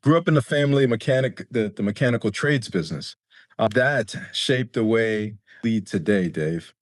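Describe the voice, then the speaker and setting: A man's voice: lowish voice, expressive, moderate pace, dry recording, studio quality. A man co-hosting a podcast interview, with brief affirmations and loose segue questions. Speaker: podcast co-host. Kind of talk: casual interview talk.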